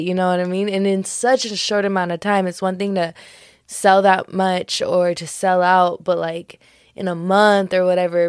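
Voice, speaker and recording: A young woman hosting her podcast in a casual, slangy chat, her voice raspy today. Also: mid-range voice, no room sound, clean studio sound. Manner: chatty, slangy, lots of fillers. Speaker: podcast host.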